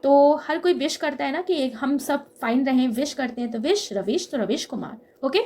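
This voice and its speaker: A young woman teaching an exam-prep lesson. She walks through memory tricks step by step, often checks in with "okay", and slows down on key words to stress them. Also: high voice, a little mellow.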